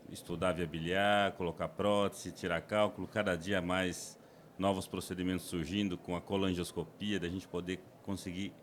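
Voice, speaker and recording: A man with a low voice, from the São Paulo interior, speaks as a podcast guest. He explains procedures step by step, often restarting his sentences. A faint background ambience sits under his voice. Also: little pitch movement, normal speed, a little hiss or hum. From interior of São Paulo state, Brazil. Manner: explains plainly with frequent restarts and fillers. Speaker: endoscopist guest.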